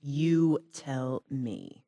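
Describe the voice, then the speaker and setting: A stern, impatient female interrogator in an audio drama. Her voice is very low and deliberate, with formal phrasing and dry sarcasm. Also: big pitch swings, dark tone, dry recording, exaggerated voice. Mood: dry, sarcastic. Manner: clipped, formal, dryly sarcastic.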